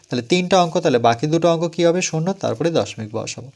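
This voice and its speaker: A male math teacher with a West Bengal Bengali accent walks through a lesson slowly, counting steps aloud and asking himself questions before he answers them. His voice sits a little high for a man. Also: expressive, gravelly, darkish tone. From West Bengal, India. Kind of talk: step-by-step classroom explanation.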